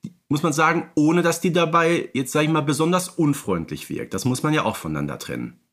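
A man's voice: a little high, expressive, fairly quick, a bit bright. A man co-hosting a podcast, chatting casually with frequent hesitations. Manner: hesitant, many "äh" fillers, chatty. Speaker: podcast co-host. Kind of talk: casual podcast chat about radio plays.

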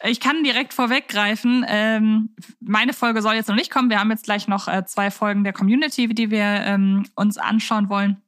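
A woman's voice: mid-range voice, fairly even intonation, moderate pace, no echo, studio quality. A woman hosting a podcast in casual chat, speaking effusively with some searching for words. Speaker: podcast host.

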